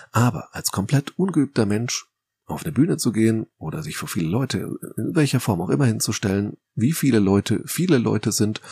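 Husky gravelly German man coaching. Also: lowish voice. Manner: lively, conversational, explaining with mock quotes. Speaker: rhetoric coach and podcast host. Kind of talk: solo podcast talk.

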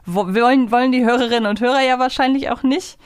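A woman's voice: sits high, steady tone, fast talker, smooth, no room sound, studio quality. A woman co-hosting a conversational review podcast in standard speech, talking in a considered, articulate way. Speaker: podcast co-host.

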